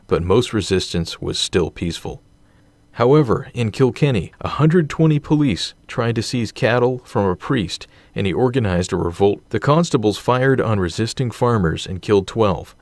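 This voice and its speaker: A man narrates a history documentary in a low, measured voice. He reads dates and figures at an even, steady pace. The recording is dry and close, with no room sound. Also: no echo.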